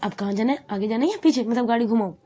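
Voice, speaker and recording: Brief: woman voicing protective young woman, gently scolding, husky and mellow. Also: a little high, racing. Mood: fussy. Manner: fussy, protective, breezy.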